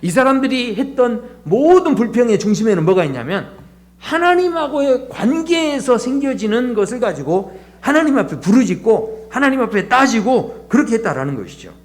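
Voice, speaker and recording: A male pastor preaching a sermon in a church, animated, dropping to a low hushed voice to act out prayers. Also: normal speed. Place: church sanctuary.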